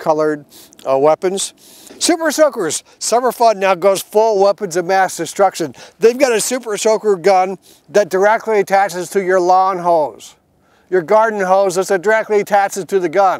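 This man talks at a high pitch in a dry sound with no echo. The background is quiet. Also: ordinary pitch variation, moderate pace. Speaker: toy news reporter. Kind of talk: news report to camera. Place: street. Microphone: lapel.

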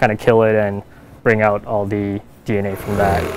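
Fairly low-pitched male speech with a Canadian accent, monotone and flat in intonation, in a dry sound with no echo. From Canada. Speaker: research technician. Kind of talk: educational interview.

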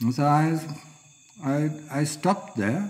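The speaker is a man. He has a German accent. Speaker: Buddhist monk teacher; monk teacher. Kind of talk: dharma talk. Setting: monastery. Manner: halting, frequent filler 'yeah?'. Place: hall.

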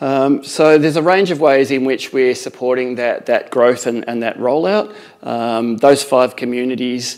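A man talks in an Australian accent at a medium pitch. He keeps a moderate pace and fairly even intonation. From Melbourne, Australia. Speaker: nonprofit director. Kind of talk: panel presentation. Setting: conference stage with audience.

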